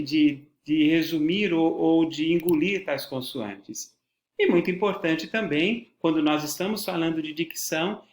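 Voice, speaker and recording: A man's voice: sits high, echoey room. A man with a Brazilian Portuguese accent, a teacher giving a formal, didactic lecture and stressing words for emphasis. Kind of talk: educational lecture on voice and podcasting.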